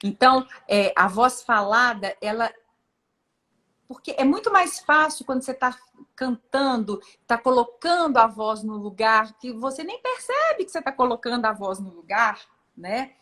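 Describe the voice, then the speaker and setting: A woman's voice: fairly high pitch, sing-song, normal speed, bright, forceful tone. A woman from Brazil, a voice coach, explaining vocal work in an encouraging, casual teaching chat. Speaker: voice coach hosting a live chat.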